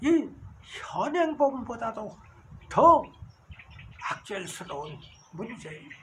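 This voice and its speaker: Speaking very slowly, a man delivers his words. The pitch of his voice moves up and down over a very wide range. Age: old. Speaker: political commentator. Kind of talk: political rant. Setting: outdoors.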